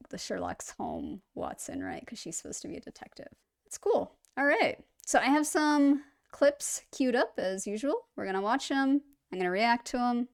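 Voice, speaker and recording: A woman hosting a reaction video, chatting casually in an upbeat, rambling way and poking fun at herself. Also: fairly high pitch.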